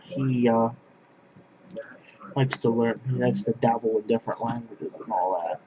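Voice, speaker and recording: A man from northwest Pennsylvania, talking to camera in a halting, rambling monologue that keeps restarting its phrases. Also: mid-range voice. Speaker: language vlogger. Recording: dull lo-fi sound with clear background noise.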